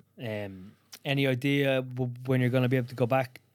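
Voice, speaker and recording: His pitch is medium. The man talks at a fairly quick pace. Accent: Irish. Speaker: podcast host, personal trainer and former bodybuilder. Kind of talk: casual interview chat.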